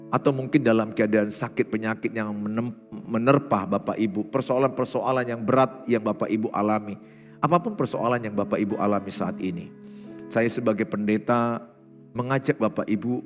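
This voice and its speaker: Male Indonesian pastor, earnest sermon delivery with repeated phrases, long hall reverb, soft music underneath. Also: fairly low pitch. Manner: earnest, repeats key phrases, slows down on prayers. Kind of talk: morning prayer sermon. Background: soft instrumental music.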